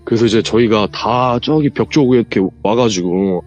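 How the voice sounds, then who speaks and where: A man's voice: lowish voice, normal speed, dull audio, soft background music. A man guest on a horror radio show, casually telling a true ghost story and acting out the lines people said. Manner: animated, acts out quoted lines from the story.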